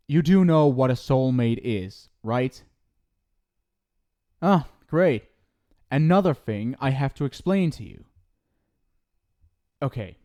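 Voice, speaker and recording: A man's voice: mid-range voice, mellow, muffled recording. A young man in an ASMR roleplay, scolding the listener in a teasing but caring way. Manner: scolding yet affectionate, playful teasing.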